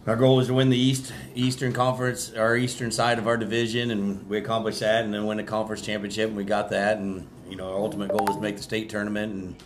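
A man speaking as a coach in an interview, measured and matter-of-fact. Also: on the low side, little pitch movement, noisy background. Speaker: high school basketball coach. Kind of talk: casual interview answers.

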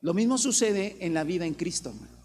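A man preaching a sermon as a pastor, dramatic, swinging from loud emphasis to soft low passages and acting out quoted voices. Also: animated, fast talker. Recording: long reverb, faint room noise.

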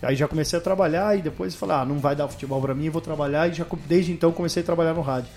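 A man's voice: on the high side, very fast, a little mellow, faint music behind. A man in his thirties from northern Paraná, a radio sports commentator talking as a podcast guest, telling his story at an easy pace and often ending phrases with a question tag. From northern Paraná, Brazil. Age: 30s. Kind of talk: casual podcast interview.

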